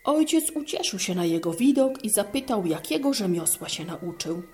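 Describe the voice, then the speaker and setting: A woman calmly narrating a fairy tale aloud. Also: medium pitch, moderate pace, soft background music.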